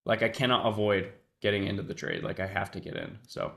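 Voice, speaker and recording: A man with a congested, sniffly nose gives loose live-stream commentary in a fairly low voice. He talks to his viewers at a desktop mic, musing aloud and letting his sentences trail off. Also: brisk, creaky, sharp tone. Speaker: livestream trader. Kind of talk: casual livestream commentary.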